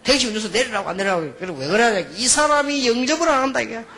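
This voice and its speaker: A middle-aged man preaching a sermon, telling stories and swinging between quiet asides and emphatic outbursts. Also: very high-pitched, very fast, background noise. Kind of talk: sermon with anecdotes.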